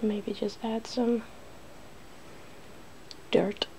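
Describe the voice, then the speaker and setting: A woman's voice: a little high, flat delivery, extremely slow, dark tone, slight background noise, rough recording. A woman hosting a casual ASMR makeup demonstration, chatty and giggly, drifting into whispers. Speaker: ASMR video host.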